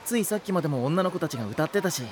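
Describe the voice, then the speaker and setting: A man's voice: fairly high pitch, expressive, very fast, a little hiss or hum, natural voice. A man playing an easygoing young older-brother figure who works as a lifeguard in an anime audio drama.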